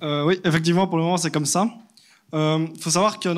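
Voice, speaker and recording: With a Liège accent, a man speaks at a high pitch. His intonation stays fairly even. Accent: Liège Belgian French. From Belgium, Liège. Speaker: student entrepreneur. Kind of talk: pitch presentation; Q&A answers. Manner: hesitant, many fillers.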